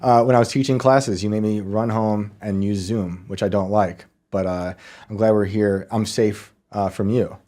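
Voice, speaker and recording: A man's voice: lowish voice, fairly even intonation, moderate pace, dark tone. A man hosting a podcast interview, wry and joking, laughing often. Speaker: podcast host. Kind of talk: casual interview chat.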